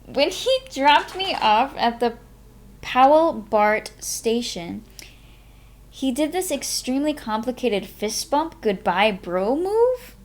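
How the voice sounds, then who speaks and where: A woman's voice: high-pitched, big pitch swings, slow pace. A woman narrating a memoir aloud as a live streamer, in an informal manner with her own small asides. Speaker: streamer reading a book aloud.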